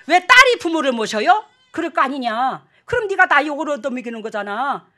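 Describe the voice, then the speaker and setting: A woman's voice: high-pitched, big pitch swings, brisk, sharp tone, heavily acted. A woman acting out her older brother, who scolds his sister indignantly in a raised voice.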